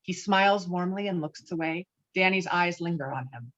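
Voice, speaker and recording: A woman's voice: lowish voice, normal speed, a bit bright. A woman reading out stage directions as scripted screenplay narration. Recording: dull, muffled remote-call audio.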